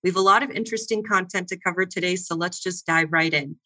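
Brief: woman panel moderator, bright and clear, friendly and brisk. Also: lowish voice. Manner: friendly and upbeat, keeps things moving.

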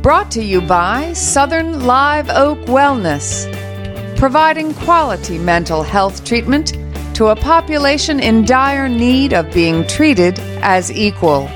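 A woman's voice: fairly high pitch, expressive, takes it slowly, music in the background. A woman announcer reading a sponsor message and introducing the host. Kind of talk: sponsor read.

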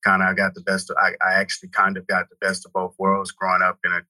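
A man from Houston, Texas, in his forties, talking as a podcast interview guest in a relaxed, rambling way full of "you know" fillers. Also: deep voice, quick pace, dry recording. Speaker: guest, real estate brokerage founder. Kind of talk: casual interview talk.

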